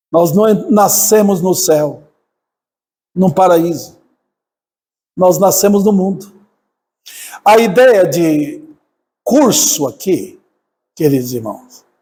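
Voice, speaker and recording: With audible room echo, a man with a high pitch and a dark, mellow tone talks at a very slow pace, using lively intonation and long, frequent pauses. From Brazil, Bahia. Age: 60s. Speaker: pastor. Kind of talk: sermon.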